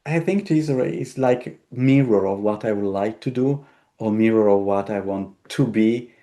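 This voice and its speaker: Low-voiced man searching for his words. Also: a little slow, mellow. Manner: searching for words, repeating himself. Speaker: tarot deck creator. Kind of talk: casual interview conversation.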